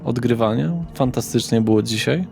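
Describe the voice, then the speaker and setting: A man working as game master, narrating a tabletop horror roleplay in a dramatic, deliberate storyteller manner. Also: mid-range voice, creaky, warm tone.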